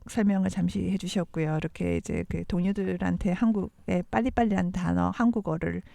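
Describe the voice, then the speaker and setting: A woman's voice: on the low side, fairly even intonation, very fast, gravelly, dark tone, no echo. A South Korean woman with a Korean accent hosting a radio interview and interpreting for listeners, a native Korean speaker. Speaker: radio host.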